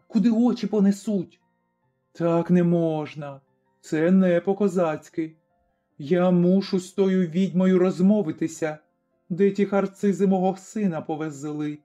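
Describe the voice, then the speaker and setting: A man's voice: high voice, unhurried, dark tone. A man voicing a grim, fearless Cossack father who speaks firmly and commandingly in a storybook reading. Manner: firm, commanding. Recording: slightly dull recording, faint music.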